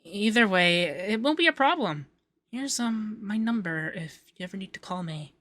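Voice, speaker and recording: Man playing a bright-voiced, shy, flirty femboy. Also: high voice, animated. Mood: sweet, upbeat. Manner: halting, stammering, coy. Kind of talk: intimate ASMR roleplay.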